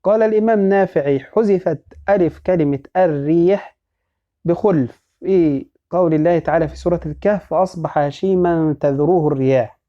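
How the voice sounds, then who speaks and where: A man with a slightly high voice teaches a recorded religious lesson on Quran orthography, explaining patiently, repeating phrases, and quizzing his listeners. He slowly chants lines of verse and poetry, and the audio is dull and lo-fi.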